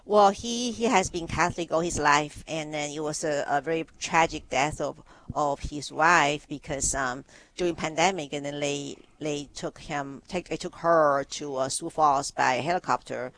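A middle-aged man from Taiwan speaks as a radio guest in a fairly high voice. He answers earnestly, halting and restarting his sentences as he goes. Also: fairly bright tone, no echo, low-quality recording. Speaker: guest, grief ministry worker.

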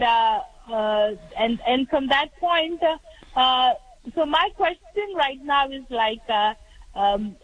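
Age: middle-aged. Origin: India. Role: radio caller on a tinny phone line. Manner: hesitant, many fillers. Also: female voice, on the high side. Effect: phone-line call-in voice. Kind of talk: call-in question.

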